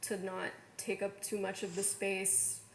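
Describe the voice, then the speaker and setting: A woman's voice: medium pitch, monotone, unhurried, roomy sound, slight background noise, poor audio. A young woman in a casual panel discussion, hedging her words and filling them with "like". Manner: hedging, lots of "like". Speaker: panel guest.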